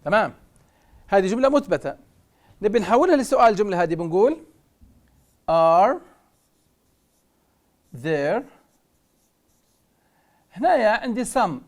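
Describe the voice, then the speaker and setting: Teaching English grammar on television, a Libyan Arabic-accented woman speaks in a sing-song, medium-pitched voice. She delivers each English example slowly and deliberately before rattling off the explanation quickly.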